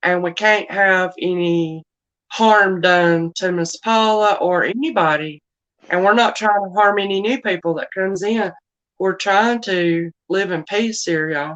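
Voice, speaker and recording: A woman with a Southern US accent, medium pitch and ordinary pitch variation at a fairly slow pace. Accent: very Southern US. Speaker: live-stream seller and channel host. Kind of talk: casual live-stream chat.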